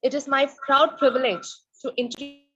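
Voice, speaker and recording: High-voiced Indian woman reading a formal introduction. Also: fairly even intonation, brisk, fairly bright tone, highs cut off. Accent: Indian English. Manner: formal, listing credentials steadily. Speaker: event anchor introducing the guest. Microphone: video call.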